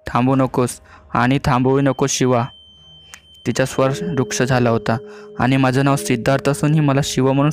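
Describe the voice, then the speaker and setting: A man narrating a horror story in a steady, scripted storytelling voice. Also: medium pitch, smooth. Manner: even, steady storytelling delivery. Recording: faint music behind the voice.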